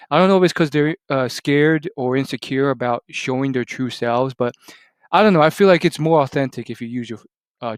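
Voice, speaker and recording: A man's voice: medium pitch, no echo. A man hosting a reaction video with casual, rambling, off-the-cuff commentary.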